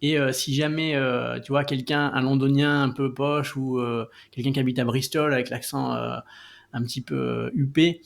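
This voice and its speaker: A man's voice: mid-range voice, steady tone, normal speed, gravelly. A man explaining things as a guest in a casual interview, with lots of fillers and restarts. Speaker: guest, co-founder of a language site.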